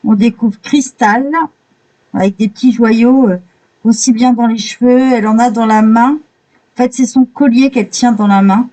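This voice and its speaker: A woman with a mellow, warm voice talks her way through a coloring book, page by page. Her voice sits a little high, and she keeps stopping to gush in admiring little exclamations. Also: steady tone, normal speed, rough recording. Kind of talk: casual flip-through commentary.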